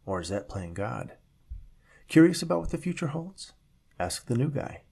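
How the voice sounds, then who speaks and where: A man narrating scripted stories as a podcast host, with a measured, dramatic delivery and deliberate pauses. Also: mid-range voice, very animated, vocal fry, darkish tone, breathy edge.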